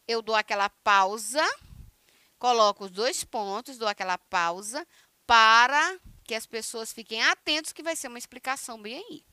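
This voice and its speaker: A woman's voice: a little high, moderate pace, pushed and bright, clean tone, no echo. A woman with a Brazilian Portuguese accent teaching an online Spanish class, explaining step by step and checking in with her students. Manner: explanatory, keeps checking in with listeners.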